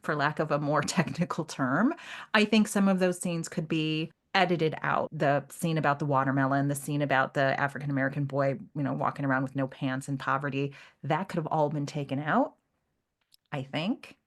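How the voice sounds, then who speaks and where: A woman with a slightly low voice talks as a podcast co-host in a casual literary discussion. She is animated and conversational, often voicing imagined remarks as she explains her thoughts. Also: moderate pace.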